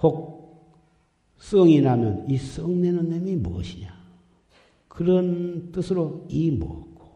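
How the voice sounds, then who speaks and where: In a temple hall with long, echoing reverb, a male dharma teacher delivers a Buddhist sermon, exhorting and admonishing his listeners and repeating himself. His voice is a little high and mellow, animated yet slow, with long pauses.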